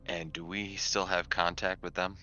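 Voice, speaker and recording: A man's voice: sits low, level tone, normal speed, bright, forceful tone, soft background music. A man playing a tabletop game, hesitantly and politely proposing plans on a slightly dull voice track. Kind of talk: in-game planning chat.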